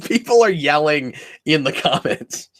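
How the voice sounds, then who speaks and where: A man co-hosting a casual commentary chat, playful and animated, sometimes shouting silly character voices. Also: on the high side, unhurried. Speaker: podcast co-host.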